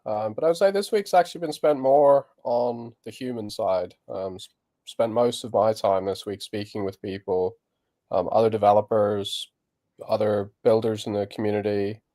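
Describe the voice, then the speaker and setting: A man with a slightly low voice, a guest speaking about technical work. He pauses often and starts his sentences with fillers as he gathers his thoughts. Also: fairly even intonation, warm tone. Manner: hesitant, many fillers. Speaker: tech guest. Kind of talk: interview answers.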